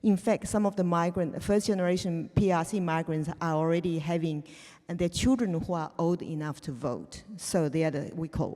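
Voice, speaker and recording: A woman's voice: on the low side, warm tone. Hesitant woman in an echoey hall. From China. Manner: hesitant, many restarts and fillers. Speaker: panel speaker, researcher. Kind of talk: panel discussion.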